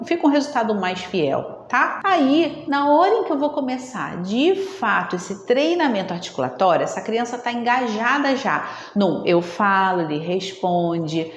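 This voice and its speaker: A woman's voice: a little high, slight background noise. A woman, a speech therapist explaining in a conversational video lesson, often adding tag questions. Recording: roomy echo with long reverb.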